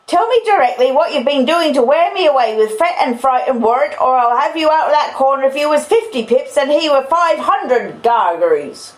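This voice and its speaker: Fierce, high-pitched scolding wife, acted by a woman, echoey. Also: sing-song, moderate pace, natural voice. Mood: furious. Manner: scolding, loud, indignant. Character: fierce, shouty, bullying older sister, blacksmith's wife.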